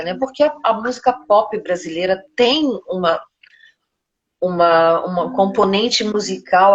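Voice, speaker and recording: A woman's voice: medium pitch, muffled recording. A middle-aged Brazilian woman, a singer, talking casually as an interview guest.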